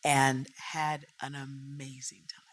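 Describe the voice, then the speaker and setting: A woman's voice: extremely low pitch, level tone, slow. A woman, a guest in a casual interview, telling stories emphatically and with animation. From United States.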